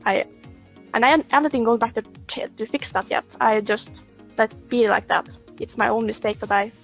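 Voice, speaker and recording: A woman's voice: on the high side, moderate pace, vocal fry, soft background music. A woman guest on a podcast, chatting casually in a rambling, conversational way and telling anecdotes. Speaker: podcast guest, fanfiction writer.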